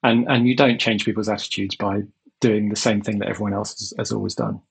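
A man speaking as a guest in a podcast interview, measured and repeating words as he thinks. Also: fairly low pitch, level tone, gravelly, husky. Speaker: guest, insurance company executive.

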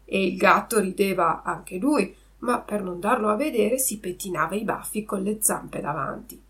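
A woman narrating a classic children's story aloud with expressive storytelling. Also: medium pitch, normal speed.

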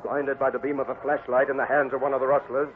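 A man's voice: mid-range voice, little pitch movement, quick pace, soft background music. Male narrator on tinny old radio. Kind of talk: scripted dramatic radio narration. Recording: tinny, hissy vintage radio recording.

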